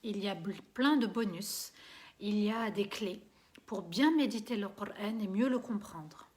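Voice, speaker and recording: A woman religious teacher on a live stream, answering viewer questions in a hesitant way, with frequent fillers and restarts, and soft, trailing phrase endings. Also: medium pitch, unhurried.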